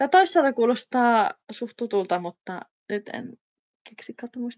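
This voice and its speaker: This woman's high voice swings very widely in pitch. Her loudness shifts in big swings too. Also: fairly slow pace, dry, close sound with no echo. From North Karelia, Finland. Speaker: media sales representative. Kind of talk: live web stream conversation about dialects.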